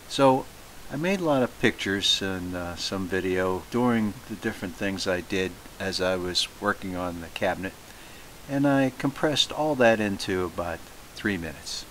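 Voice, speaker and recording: A man giving a casual, plain-spoken narration of his hobby radio restoration, with frequent filler pauses. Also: low-pitched, fairly bright tone, a little hiss or hum, rough recording.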